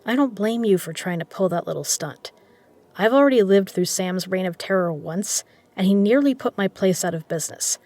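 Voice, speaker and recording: Casting: actress for a shrewd underground casino boss and poker legend, medium-pitched, measured and persuasive, for an audio drama. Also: female voice, animated, a little mellow, natural voice. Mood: resolute, persuasive. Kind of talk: scripted audio drama dialogue.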